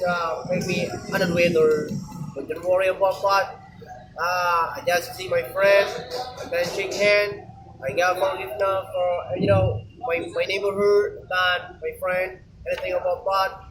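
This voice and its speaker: A man from Indonesia with an Indonesian accent gives a rambling casual monologue in English, halting and repeating himself, often tagging phrases with "you know". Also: high-pitched, rough recording. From Indonesia, Aceh. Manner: halting, repetitive, frequent "you know" tags. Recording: loud music behind the voice.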